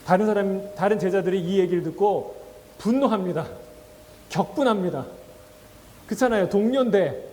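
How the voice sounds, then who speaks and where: A male pastor gives a sermon in a church sanctuary, talking it through like a conversation and putting questions to the congregation. His voice sits high but sounds mellow and soft-edged. A long reverb from the church hall trails after each phrase. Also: normal speed, pauses often. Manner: acts out quoted voices with laughs.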